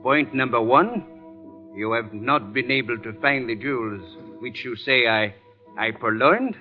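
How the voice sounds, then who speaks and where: A man's voice: mid-range voice, a little slow, natural voice. Suave radio villain guy acting, smug jewel thief, precise and condescending, muffled old broadcast w faint music. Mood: smug, unruffled. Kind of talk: 1940s radio drama acting. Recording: dull vintage radio recording.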